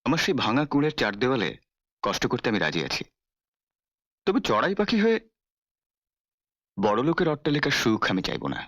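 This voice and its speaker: An actor playing a proud, poor young artist who speaks with dignity in a film drama. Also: male voice, mid-range voice, wildly swooping pitch, brisk, pauses often, a bit bright, dry recording, exaggerated voice. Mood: firm. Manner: dignified, defiant. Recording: dry film soundtrack with faint music.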